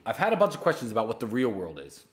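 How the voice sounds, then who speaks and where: A man hosting a casual solo livestream, answering viewer questions directly and pitching emphatically. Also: wildly swooping pitch, racing, a little hiss or hum. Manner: direct, addresses viewers by name.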